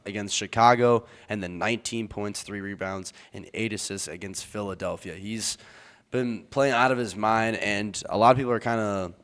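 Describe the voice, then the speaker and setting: A man's voice: lowish voice, steady tone, moderate pace, fairly bright tone. A young man co-hosting a college sports podcast, playful and joking. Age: young adult. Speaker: co-host.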